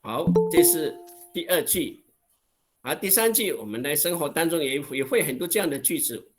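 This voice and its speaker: A man with a Taiwanese Mandarin accent teaching an online language lesson over a video call, acting out exclamations with drawn-out, expressive voicing. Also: fairly high pitch, faint music behind.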